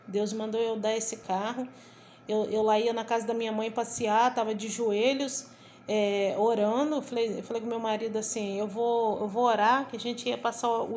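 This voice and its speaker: A woman's voice: a little high, slight background noise. A middle-aged woman with a Brazilian Portuguese accent giving a personal faith testimony, telling it vividly and acting out the quoted dialogue. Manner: lively storytelling, acts out quoted dialogue, repeats herself. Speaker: testimony speaker.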